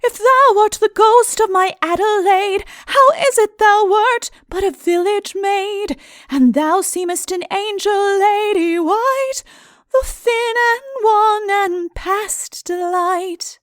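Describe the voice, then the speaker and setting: A woman's voice: extremely high pitch, slow, no room sound, studio quality. A woman playing a fearless, tender knight in a storybook ballad, singing in an earnest, pleading manner. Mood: wondering. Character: fearless young male knight, tender and lovesick. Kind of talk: slow sung ballad dialogue.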